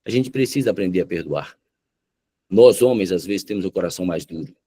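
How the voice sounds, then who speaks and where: A male pastor telling a story in a sermon, dramatic and slowing down for emphasis. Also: low-pitched, animated, dark tone, breathy edge.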